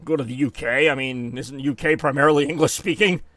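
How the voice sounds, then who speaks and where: A man's voice: medium pitch, fast talker, fairly bright tone, dry recording. An American man chatting casually and rambling while streaming a video game, often correcting himself and reacting to his deaths in the game. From United States. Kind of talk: casual gameplay chat.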